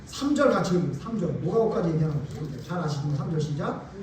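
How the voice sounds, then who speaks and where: In a church sanctuary, a male pastor preaches emphatically, firing rhetorical questions at the congregation. His voice sits on the high side and is animated, fast, and a little mellow. The hall echoes, the mic is distant, and faint room noise lingers.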